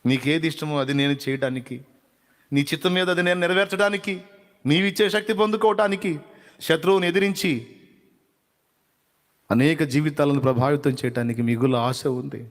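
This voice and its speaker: A man's voice: fairly high pitch, steady tone, fairly quick, long pauses, big-room sound. A male preacher giving a devotional sermon, fervently pleading in prayer to God. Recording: clear background music under the voice.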